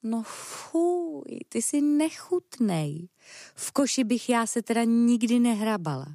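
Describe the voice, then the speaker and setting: A woman's voice: a little high, very animated, dark tone, no room sound, clean studio sound, pitched above the performer's own voice. A woman doing a prim, haughty storybook cat. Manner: haughty, disdainful. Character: prim fussy female cat. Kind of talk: storybook reading.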